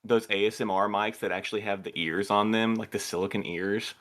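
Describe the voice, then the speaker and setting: A man's voice: on the low side, fairly even intonation, brisk, a bit bright. A man from a podcast crew talking in a casual, conversational way. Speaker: podcast crew member and composer. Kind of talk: casual chat.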